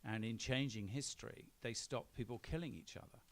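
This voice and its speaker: A man's voice: mid-range voice, fairly quick. A man from Belfast giving opinionated answers on a live panel, emphatic and repeating phrases to drive points home. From Belfast, Northern Ireland. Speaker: film director, panel guest. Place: on stage at a film premiere event.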